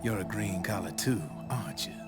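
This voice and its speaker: An actor playing a cocky, streetwise black-market arms dealer in a video game, with slangy, easygoing sales patter. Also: male voice, lowish voice, normal speed, natural voice. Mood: matter-of-fact, knowing. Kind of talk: video game cutscene acting. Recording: background music under the voice.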